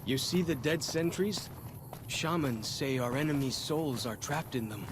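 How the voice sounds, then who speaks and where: Male actor as friendly young tribal scout, video game guide, folksy, easygoing, clipped phrases, mid-pitched, clear background noise. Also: a little slow, close to an everyday voice. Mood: relaxed, wry. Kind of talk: video game character dialogue.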